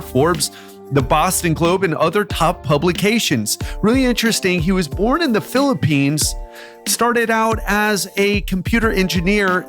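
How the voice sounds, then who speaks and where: A man with a fairly high voice hosts a podcast, and his upbeat, eager introduction carries over faint background music. He talks like someone who is glad to be on the mic. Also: a bit bright. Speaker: podcast host. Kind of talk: podcast interview.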